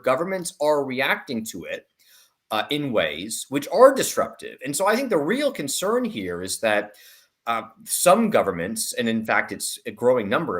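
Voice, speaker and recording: A man's voice: mid-range voice, a bit bright. A man speaking as an investment analyst in an interview, giving conversational commentary with repeated words and qualifying asides.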